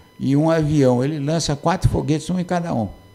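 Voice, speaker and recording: Fairly high-pitched male voice, dark and mellow in tone. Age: 70s. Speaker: aerospace engineer and author. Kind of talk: radio interview.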